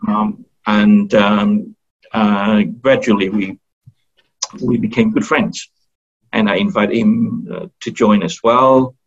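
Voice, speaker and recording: Husky low-voiced man, halting speech. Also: fairly even intonation. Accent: Australian. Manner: hesitant, full of fillers and restarts. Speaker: guest. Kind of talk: casual interview talk. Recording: dull lo-fi recording.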